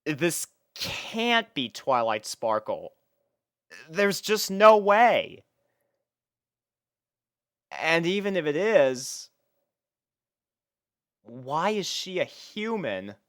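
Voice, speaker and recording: A man voicing a lonely, bewildered male college student in a deliberate, theatrical audiobook-style reading with dramatic pauses. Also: on the high side, very animated, fairly bright tone, no echo, studio quality, voice pushed up, full character voice. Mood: puzzled.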